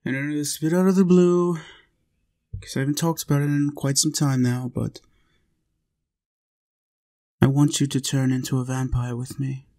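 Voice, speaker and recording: A man playing a centuries-old but youthful vampire in an intimate roleplay audio, coaxing and possessive yet tender, speaking in deliberate short phrases with pauses. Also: on the high side, darkish tone. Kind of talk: intimate roleplay audio, slow monologue to listener.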